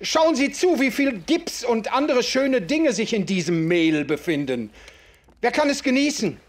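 An actor playing an impassioned writer in a radio play, speaking in declamatory, old-fashioned formal sentences. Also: male voice, extremely high pitch, sing-song, a little slow, full character voice. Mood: indignant. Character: impassioned male writer defending the oppressed. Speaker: author figure in conversation. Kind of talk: German radio play acting.

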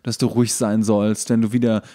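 A man co-hosting a podcast, telling anecdotes in casual, halting talk where he often repeats himself. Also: fairly low pitch, flat delivery, dark tone. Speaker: podcast co-host.

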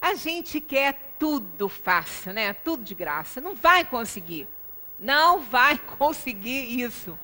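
A woman's voice: high-pitched, very animated, slow pace, bright, forceful tone. A middle-aged Brazilian woman giving a religious lecture in an explanatory, conversational way, emphatic, often checking in with short tag questions. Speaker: lecturer at a Spiritist center. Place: small indoor lecture room. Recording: reverberant meeting room, distant microphone.

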